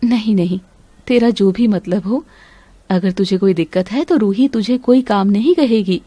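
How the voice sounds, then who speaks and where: A woman voicing a scheming, bossy middle-aged mother-in-law in an animated story, talking in a sharp, scolding, sly way. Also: medium pitch, moderate pace, no room sound, voice pushed down, close to an everyday voice.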